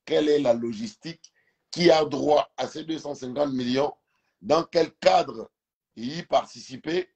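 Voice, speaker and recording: A man's voice: mid-range voice, unhurried, a little mellow, lo-fi sound. A man from Gabon whose first language is Fang, talking emphatically on a phone video call while lying on a couch, often repeating words as he searches for them. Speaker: live stream guest. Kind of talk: casual debate over a video call. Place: indoors, lying on a couch at home. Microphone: phone camera held close.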